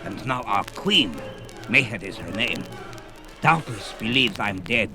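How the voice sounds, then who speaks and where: An actor playing a proud, dithering old white-bearded sorcerer in a 1970s fantasy audio drama, theatrical and emphatic. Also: male voice, fairly low pitch, animated, measured pace, music in the background. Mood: flustered, anxious. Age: older.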